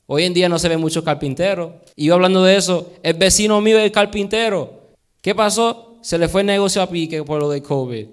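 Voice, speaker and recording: Man, high voice, lively preacher, questions the crowd, mixes in English. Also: fairly quick. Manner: lively, asks the congregation questions; slips into English phrases. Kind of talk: sermon.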